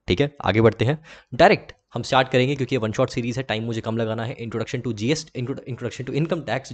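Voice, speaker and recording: A man's voice: on the low side, a little mellow. A young man giving a lecture, chatty and playful, addressing his students and acting out both sides of his examples. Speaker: teacher.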